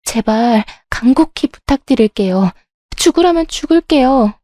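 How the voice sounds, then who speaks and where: A desperate mistress behind prison glass, as a woman narrator puts her on, begging in a shrill, high, frantic voice. Her pitch jumps well above a normal speaking voice and her pleas pour out urgently in this storybook-style drama reading. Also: expressive, unhurried, mellow, no room sound, studio quality. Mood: pleading.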